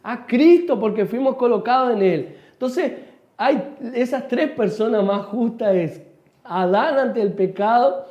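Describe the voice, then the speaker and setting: A man's voice: extremely high pitch, lively intonation, unhurried, a little mellow. A Uruguayan man with a Rioplatense accent preaching a sermon, asking the congregation questions and answering them himself. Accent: Rioplatense Spanish. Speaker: pastor. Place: church hall. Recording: echoey church hall, dull sound.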